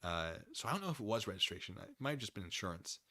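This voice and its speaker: An American man with a very animated, swooping delivery and a forceful, bright tone. He reads formal text aloud with theatrical flair and wanders into wry, casual commentary. The sound is close and dry. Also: on the low side, very fast, no echo. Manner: animated, wry, digressive, easily excited. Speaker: online streamer reading a document with commentary. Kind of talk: dramatic document reading with casual off-the-cuff asides.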